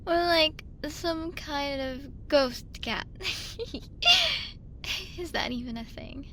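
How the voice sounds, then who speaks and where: A woman's voice: high voice, sing-song, extremely slow, pushed and bright, slight background noise, full character voice. A woman playing a drunk, lonely young woman in an ASMR roleplay, rambling and giggling her way through a late-night voicemail with tipsy hesitations. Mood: tipsy wonder.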